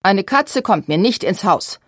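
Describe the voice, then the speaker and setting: A woman voicing a strict middle-aged shop owner who is quick to anger, in an audiobook, with a breathy voice. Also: lowish voice, a little mellow, no room sound, studio quality. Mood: stern. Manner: stern, indignant.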